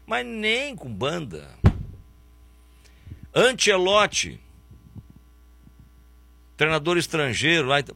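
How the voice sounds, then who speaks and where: Blunt ranting football pundit. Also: male voice, on the high side, bright, forceful tone, no echo. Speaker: sports commentary host. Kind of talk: opinionated football commentary.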